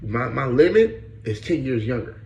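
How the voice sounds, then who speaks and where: Man, late thirties, casual profane commentary, gravelly voice, roomy echo. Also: mid-range voice, big pitch swings, normal speed, darkish tone, slight background noise. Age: 30s. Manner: blunt, profane, repeats "bro" and "you know what I'm saying". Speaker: podcast host.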